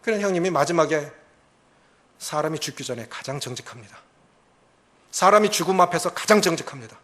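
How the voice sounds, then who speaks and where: A man preaching a sermon in a church, animated, acting out angry prayers and leading the congregation in repeating lines. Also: on the high side, a little fast. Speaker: pastor. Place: church sanctuary.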